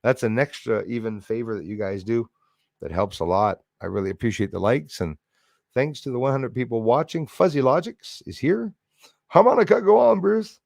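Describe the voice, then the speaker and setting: His voice is on the low side, creaky and a bit mellow, at a moderate pace, as this man hosts a casual livestream chat, greeting viewers in chat and rambling amiably. The studio-quality recording is dry.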